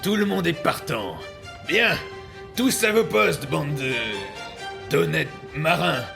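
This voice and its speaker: A bumbling, boastful pirate captain, acted by a man, with a heavily gravelly voice that swings widely in pitch. He blusters pompously in comic audio drama style, over clear background music. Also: lively intonation, slow pace, full character voice. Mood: rousing. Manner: pompous, blustering, stammering when cornered.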